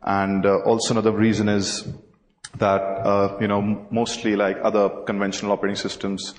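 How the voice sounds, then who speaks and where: A young man with an Indian accent presents a technical talk at a conference, standing at a podium mic in a large hall. His voice is on the low side, level and brisk, peppered with hesitant fillers, and the echoey hall carries faint noise.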